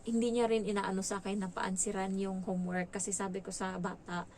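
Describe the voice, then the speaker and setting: Casual and lively, a woman from the Philippines who works as a domestic helper recounts her story, playing out the dialogue she quotes and using some English words. Her voice is mid-range and fairly quick, with slight background noise.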